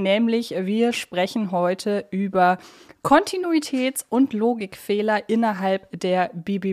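German woman podcast host, ordinary pitch, chatty, rambles and rephrases as she goes. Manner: wordy, circling explanations with self-corrections. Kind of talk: casual podcast chat.

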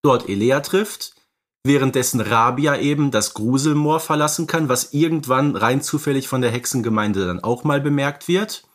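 Male podcast co-host, mid-pitched, explanatory conversational analysis with frequent tag questions. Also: normal speed.

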